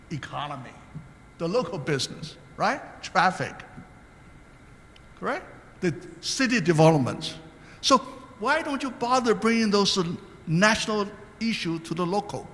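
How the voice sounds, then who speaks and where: Older panel guest, earnest and anecdotal, slightly high voice, recorded in a reverberant hall. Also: male voice, big pitch swings, moderate pace, a bit bright. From Taiwan. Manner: earnest, anecdotal, with hesitant restarts. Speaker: guest speaker, state commissioner. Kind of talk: panel talk answering questions.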